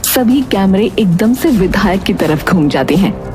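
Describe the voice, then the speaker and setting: A woman's voice: medium pitch, expressive, a little slow, darkish tone, soft background music. A woman giving scripted narration for a moral story.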